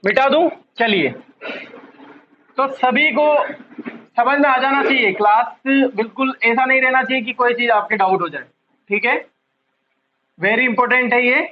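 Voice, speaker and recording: High-voiced man teaching exam prep. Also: lo-fi sound. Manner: repeats key terms, quizzes the class often; drawn-out emphasis on key words. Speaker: psychology teacher. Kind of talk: online exam-prep lecture.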